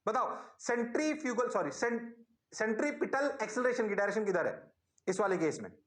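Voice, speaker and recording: A man leads an online physics class in a bright, high voice. He is energetic and coaxing and keeps repeating his questions to get the students to answer. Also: brisk, echoey room. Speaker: physics teacher.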